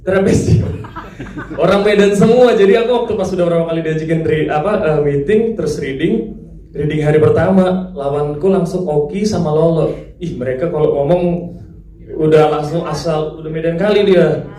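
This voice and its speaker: A man's voice: on the high side, normal speed, warm tone. A man speaking casually at a press conference, chatty and often laughing, recorded in a large hall. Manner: chatty, laughing, mimics others' speech. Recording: echoey hall, mic far off.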